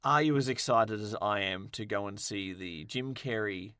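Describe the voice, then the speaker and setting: Guy cohosting a podcast, bright punchy voice, jokey questions, dry sound. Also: on the low side, normal speed, clean tone, no echo. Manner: jokey, playful. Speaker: podcast co-host asking questions. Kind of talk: casual banter.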